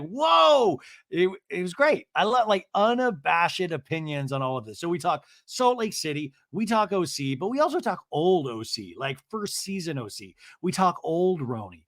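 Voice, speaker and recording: An American man speaks in a somewhat high, lightly raspy voice with very little room sound. He hosts a podcast solo, chatting to his listeners in loose, excitable runs full of slang and asides. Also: moderate pace, few pauses, no echo, studio quality. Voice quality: slightly raspy. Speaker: podcast host.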